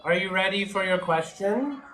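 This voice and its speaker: A man's voice: high-pitched, lively intonation, moderate pace, bright, forceful tone, slight background noise. A man teaching English on a live stream, encouraging his students and often checking in with "okay?". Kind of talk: live-streamed speaking lesson. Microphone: live stream mic. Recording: roomy echo.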